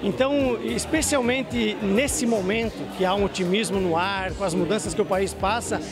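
Brief: man, 30s, high-pitched fluent interview, clear music. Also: moderate pace. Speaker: training school director. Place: trade show. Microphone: handheld mic. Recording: clear music under speech.

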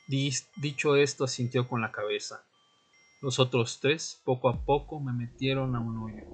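A man playing a tormented young vampire, narrating an audio drama in the first person with solemn, deliberate, dramatic pauses. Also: mid-range voice, fairly even intonation, close to an everyday voice. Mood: grave, desperate. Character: Fernando, tormented newly turned male vampire recounting his death. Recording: music bed under the voice.

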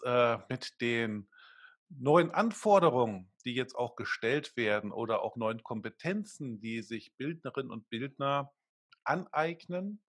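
A man's voice: mid-range voice, a bit bright, no room sound, studio quality. Chatty middle-aged man co-hosting a podcast. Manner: chatty, many fillers, invites the audience. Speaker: podcast co-host. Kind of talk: casual live podcast conversation. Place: home office. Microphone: desk microphone on a video call.

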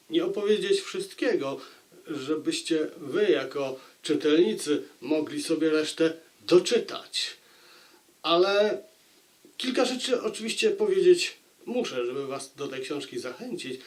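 A man talks to his viewers about a book in the manner of a storyteller. His delivery is unhurried, with deliberate pauses between phrases. The intonation swings widely, keeping the narration lively. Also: fairly high pitch. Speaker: book reviewer and audiobook narrator. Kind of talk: book review, addressing viewers.

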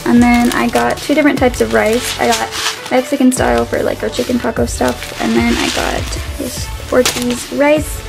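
Music plays under this low-quality home video of a young woman presenting her grocery haul at her table, filmed overhead in a point-of-view shot. Her voice is a little high and creaky, at a normal speed, and her casual chatter leans heavily on "like" and "um."

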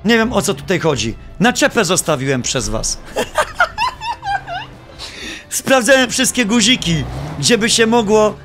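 A man streaming live, giving gameplay commentary in an animated, joking and playfully exasperated way. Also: sits high, measured pace, long pauses, over music.

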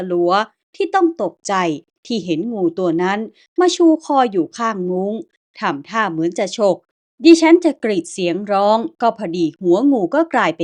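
A woman telling a first-person ghost story in scripted narration, slow and measured. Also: medium pitch.

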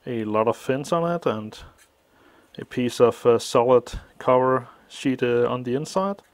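A man explaining a teardown of an old appliance at a workshop bench, thinking aloud with many pauses, his voice slightly muffled by a mask. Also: medium pitch. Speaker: electronics teardown host. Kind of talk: hands-on technical walkthrough.

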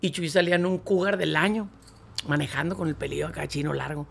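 Gravelly man telling stories. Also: on the high side, fast talker. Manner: animated anecdote-telling, slangy, acting out others' lines. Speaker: interview guest, band founder and accordionist. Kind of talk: casual storytelling interview.

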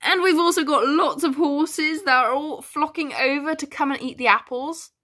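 Chatty high-voiced woman giving a tour. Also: moderate pace, sharp tone. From United Kingdom. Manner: chatty, self-deprecating asides. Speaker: toy barn tour vlogger. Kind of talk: casual narrated tour.

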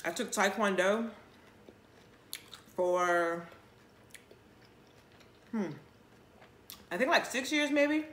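With a medium-pitched, slightly bright voice, this mukbang vlogger chats in an animated, offhand way, drawing out words and pausing often. She chews between phrases and frequently speaks with food in her mouth, in a room with noticeable echo and faint background noise.

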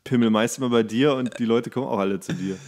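A man's voice: mid-range voice, fast talker, a little mellow. Casually rambling man, podcast chat. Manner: rambling, thinking aloud, with English slang mixed in. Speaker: podcast host.

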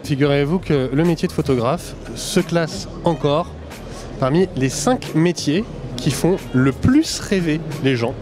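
A man's voice: fairly high pitch, animated, measured pace, over music. Chatty man reporting from a trade show. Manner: chatty, hesitant with many fillers. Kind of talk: casual walking commentary and vox-pop. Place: busy indoor exhibition hall.

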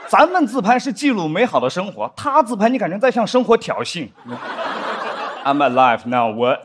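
Animated man doing stand-up. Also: normal speed, very noisy. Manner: animated, mimics drama scenes with pitch swings. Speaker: stand-up comedian. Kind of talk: stand-up comedy set. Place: studio stage with live audience.

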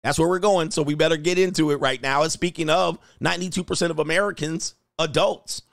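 A man's voice: fairly high pitch, fairly even intonation, a little fast, gravelly, fairly bright tone, dry recording. A man in his fifties hosting a livestream from a home studio, talking emphatically and repeating his points like a preacher. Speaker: livestream host. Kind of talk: opinionated livestream commentary. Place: home studio with gaming chair. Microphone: studio mic on boom, headphones on.

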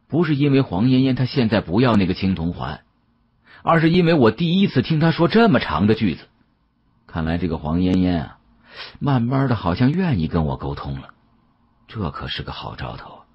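A man narrates an audiobook as a conversational first-person storyteller. His low voice is very husky and moves with animated intonation. The recording sounds somewhat dull. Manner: conversational, with colloquial sentence-ending particles.

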